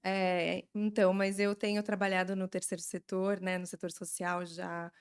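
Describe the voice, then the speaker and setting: This is a Brazilian woman in her forties with a mid-pitched voice and plenty of vocal fry. She talks as a guest in an interview, explaining things in an informal way. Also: level tone, normal speed. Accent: Brazilian Portuguese. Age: 40s. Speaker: interview guest, education NGO representative.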